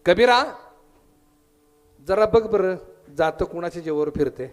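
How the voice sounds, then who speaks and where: A man's voice: high voice, expressive, unhurried. A man with a Marathi accent preaching a devotional kirtan sermon, telling a story, voicing its characters and breaking into sung verses. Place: temple hall with audience.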